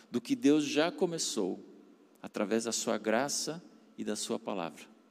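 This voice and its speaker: Vocal fry colors a man's medium-pitched voice. He speaks at a fairly slow pace with lively intonation. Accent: German. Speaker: pastor. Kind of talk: sermon. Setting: church service.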